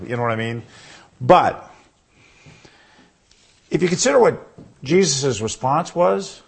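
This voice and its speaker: Baritone church pastor guy, kinda husky, voice goes all over the place. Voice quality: husky with a cough. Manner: expressive preaching with rhetorical questions to the congregation. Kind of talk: sermon. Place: church sanctuary.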